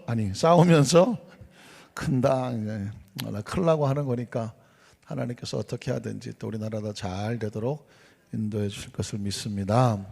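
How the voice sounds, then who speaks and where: A man's voice: mid-range voice, creaky, darkish tone. A male pastor preaching a sermon, emphatic and call-and-response, with playful storytelling asides. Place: church sanctuary. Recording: reverberant church hall with faint music.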